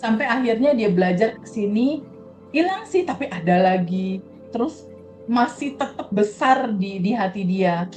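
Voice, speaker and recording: A woman speaking as a guest coach in a conversational interview, talking softly and slowly and repeating words for emphasis. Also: mid-range voice, animated, faint music behind. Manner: soft, slow, reflective, repeats words for emphasis. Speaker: guest coach on emotional release.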